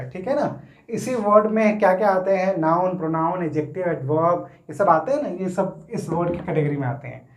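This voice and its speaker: Guy explaining english grammar in hindi, slow drawn-out words when he sounds stuff out, keeps saying theek hai na, echoey room. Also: high-pitched, a little mellow. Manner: explains step by step, often checks in with "theek hai na"; drawls words slowly when sounding them out. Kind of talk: casual Hindi classroom explanation. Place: room, writing on a board.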